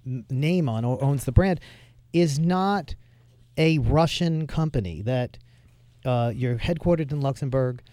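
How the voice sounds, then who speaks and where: A man hosting an interview, asking probing questions in a halting, conversational way. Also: medium pitch, mellow, no echo, studio quality. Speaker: interviewer, host.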